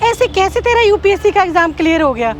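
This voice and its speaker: A woman's voice: extremely high pitch, lively intonation, quick pace. An actress playing a scolding older woman who disbelieves and rebukes the young woman. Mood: incredulous. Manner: scolding, incredulous. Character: sharp-tongued older woman, mother-in-law or aunt.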